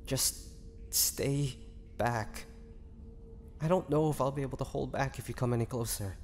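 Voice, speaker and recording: A man voicing a starving, tormented vampire in a dramatic audio roleplay, speaking haltingly with breathy sighs. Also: mid-range voice, a little mellow, close to an everyday voice. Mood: anguished, restrained. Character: starving young male vampire, tormented, pleading, fighting bloodthirst. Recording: long echoing reverb, faint background noise.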